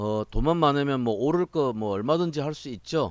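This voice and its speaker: A normal speaking voice moves at a moderate pace with lively intonation. The background is quiet. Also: man. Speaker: real estate auction instructor. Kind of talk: tutorial.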